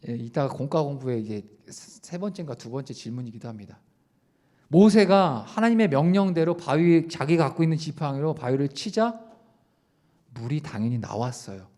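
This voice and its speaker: Young guy youth pastor preaching, kinda high voice, keeps asking the kids questions, loud then soft. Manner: lively preaching, swings between raised emphasis and quiet asides; addresses listeners directly with questions. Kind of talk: youth sermon. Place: church service.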